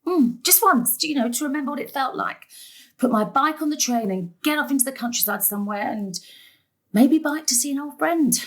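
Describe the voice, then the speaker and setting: A woman's voice: sits high, animated, moderate pace, fairly bright tone. An actress playing a weary, self-effacing middle-aged mother who longs for freedom. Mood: wistful.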